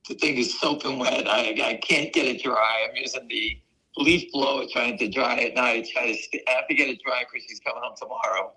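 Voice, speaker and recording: A man with a voice hoarse from weeks of coughing, chatting in a rambling way as a guest on a live stream. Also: medium pitch, steady tone, fairly quick, pushed and bright, low-quality recording. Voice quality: gravelly, raspy. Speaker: guest on a stock market stream. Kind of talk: casual chat.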